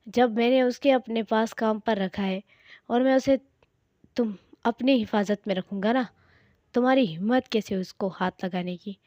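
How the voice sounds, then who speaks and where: A woman's voice: fairly high pitch, moderate pace, warm tone, no echo, clean studio sound, natural voice. A woman reading the lines of a stern, authoritative father who scolds his grown son in a told story. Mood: scolding. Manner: commanding, scolding.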